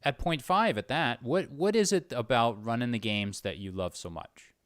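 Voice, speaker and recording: A man's voice: mid-range voice, normal speed, fairly bright tone, dry recording, clean studio sound. A man interviewing casually, informal and jokey as he puts his questions and interjections.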